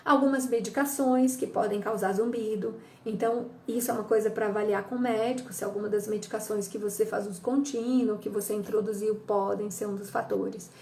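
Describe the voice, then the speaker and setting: A woman's voice: mid-range voice, steady tone, brisk, few pauses, mellow, a little hiss or hum. A middle-aged woman, a hearing specialist, explains the causes of ear ringing in a teaching tone, often checking in with listeners and acting out what her patients say. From Brazil. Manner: didactic, frequent "tá?" check-ins, acts out patient quotes. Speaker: audiologist and psychologist. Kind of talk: explanatory health talk.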